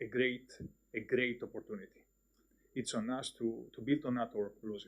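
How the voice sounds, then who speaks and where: The speaker is a man. He talks with a Greek accent. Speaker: researcher and engineer. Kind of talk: conference panel talk. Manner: hesitant with many fillers.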